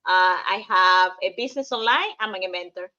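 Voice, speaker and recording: A woman from Cuba co-hosting a podcast, talking in a friendly, slightly halting way. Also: medium pitch, sharp tone, muffled recording. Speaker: nurse and podcast co-host. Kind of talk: casual podcast talk.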